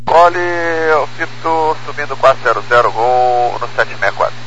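Brazilian airline pilot on the radio, crisp routine readbacks, bright edgy voice, dull lo-fi radio sound. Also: male voice, medium pitch, normal speed. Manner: clipped, routine radio phraseology. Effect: pilot speaking over aircraft radio. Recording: muffled radio transmission with static.

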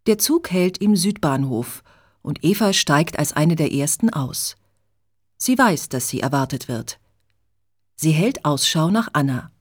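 A woman narrating a chapter of a story in clear, measured scripted reading. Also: low voice, animated. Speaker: audiobook narrator.

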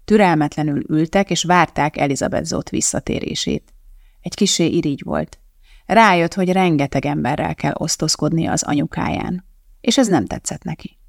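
An audiobook narrator reading a novel in an even, measured storytelling manner, recorded close to the mic. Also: mid-range voice, creaky, no room sound.

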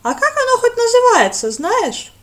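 A woman voicing a sly, curious young man who asks quick, probing questions. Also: very high voice, wildly swooping pitch, fairly bright tone, pitched above the performer's own voice, full character voice.

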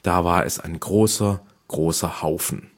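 A man narrates a fairy tale in a calm, measured way. His voice sits very low and has a slightly husky edge. The reading flows steadily, like an audiobook.

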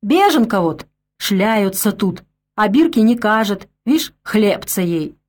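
Drunk coarse peasant man, snarling and bitter, rough country talk, storybook voice, put on by a woman narrator. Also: mid-range voice, expressive, slow pace. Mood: menacing.

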